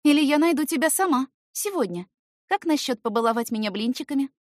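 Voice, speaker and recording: A confident, teasing young student woman in an audiobook, acted by a woman narrator. She speaks softly and playfully in a raised, coaxing voice, recorded very dry. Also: sits high, animated, a little fast, dry recording, pitched above the performer's own voice. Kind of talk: scripted audiobook character voice.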